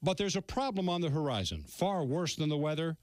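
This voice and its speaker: A man's voice: fairly high pitch, expressive, brisk, a little mellow. An American man narrating a scripted TV news feature as a reporter, with dramatic, emphatic storytelling.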